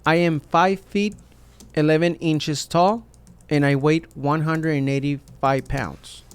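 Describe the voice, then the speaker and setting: A man voicing an applicant in an interview, answering each question briefly and carefully. His voice is smooth and clear and sits a bit high for a man. He speaks slowly and evenly. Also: steady tone. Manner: short, plain, careful answers. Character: male citizenship applicant answering an officer. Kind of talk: scripted practice dialogue.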